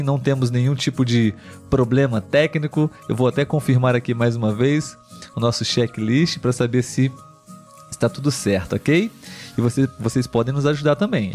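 A Brazilian man co-hosts a live podcast, speaking in a slow and deliberate way meant for learners. He keeps checking in with his audience and his co-host as he goes. A faint music bed plays underneath him. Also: medium pitch, a little mellow. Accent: Brazilian Portuguese. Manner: slow, clear, teacherly delivery with frequent "né?" checks.

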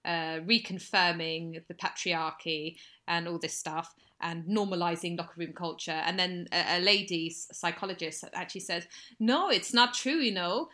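A woman from England co-hosting a casual chat show, telling stories in a lively, animated way with sudden high bursts. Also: normal speed. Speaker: podcast co-host.

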